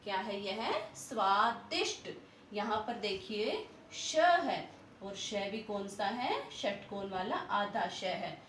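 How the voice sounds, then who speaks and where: A woman's voice: mid-range voice, expressive, slight background noise. A woman teacher explaining spelling and pronunciation, asking questions and answering them herself, drawing out the words she models. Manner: slow, drawn-out model pronunciations. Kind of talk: Hindi spelling and pronunciation lesson. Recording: echoey room, voice from a distance.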